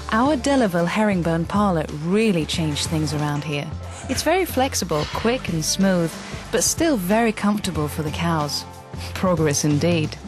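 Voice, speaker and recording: A woman's voice: lowish voice, close to an everyday voice. A woman voicing a proud farmer's wife. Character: proud dairy farmer's wife, practical and content. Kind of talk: scripted promotional voice-over. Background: music.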